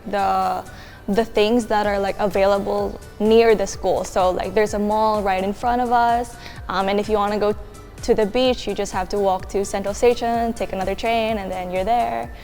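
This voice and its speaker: A woman's voice: mid-range voice, steady tone, normal speed, creaky, a little mellow, faint music behind. A young woman from the Philippines, a university student, chatting casually about student life and filling her talk with "like". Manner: chatty, many filler likes. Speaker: international student.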